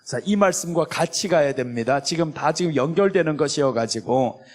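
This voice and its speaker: A male pastor preaching a sermon in a church. He acts out pleading prayers with emphasis and drops to a soft, low voice for reflective asides.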